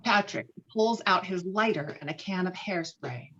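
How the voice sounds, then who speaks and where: A woman's voice: on the low side, moderate pace, fairly bright tone. A woman reading stage directions as the narrator of a dramatic script table read. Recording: dull, lo-fi call audio.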